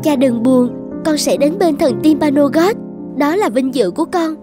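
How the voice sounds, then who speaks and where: A woman playing a devout, self-sacrificing young tribal maiden in an animated folktale, earnest and reverent. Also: sits high, normal speed, over music. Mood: solemn, resolute. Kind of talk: dubbed animated folktale acting.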